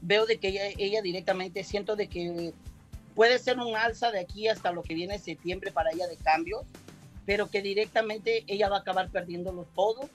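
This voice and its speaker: A man's voice: sits high, fairly quick, soft background music. A man speaking as a psychic guest on a video call, rambling and repeating his words. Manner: rambling, repeats words, says "directamente" often.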